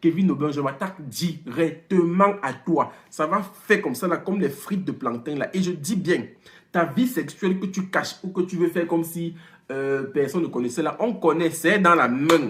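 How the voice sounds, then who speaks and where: A man speaks in an animated tone at a moderate pace. His pitch is high. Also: ordinary pitch variation. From Cameroon. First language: a Cameroonian language (speaking French). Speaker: YouTuber, commentator. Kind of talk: rant, direct address to a rival. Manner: confrontational, animated.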